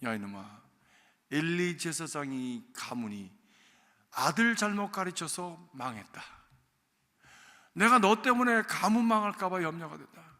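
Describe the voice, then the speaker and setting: A pastor putting on a stern father who scolds his son while weeping, his words slow and heavy. The voice sits high and bright and carries a long reverb from the church sanctuary. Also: big pitch swings, full character voice. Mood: scolding.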